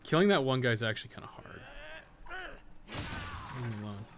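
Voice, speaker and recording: A man with a mid-pitched voice talks through a game as he plays. He thinks aloud in an informal, rambling way and swears casually. There is noticeable noise behind him. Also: very animated, moderate pace. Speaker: game streamer and podcast co-host. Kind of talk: casual live gameplay commentary, thinking aloud. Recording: clearly noisy stream audio.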